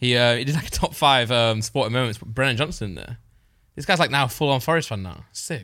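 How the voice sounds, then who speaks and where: Here a man speaks with an English accent at a medium pitch and a fairly quick pace. His tone is bright and sharp, with ordinary pitch variation. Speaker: podcast co-host. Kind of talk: casual chat. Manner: fast.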